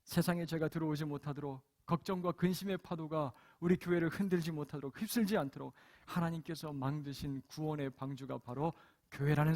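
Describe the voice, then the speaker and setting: A man's voice: medium pitch, gravelly, darkish tone. A male pastor preaching a Sunday sermon, retelling a Bible story dramatically and acting out the voices. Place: church.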